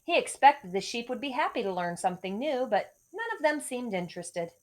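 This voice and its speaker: A woman reading a story aloud to young children like a teacher, in an expressive storytelling manner. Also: on the high side, brisk. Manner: expressive, clearly addressing children. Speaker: elementary school teacher reading to pupils.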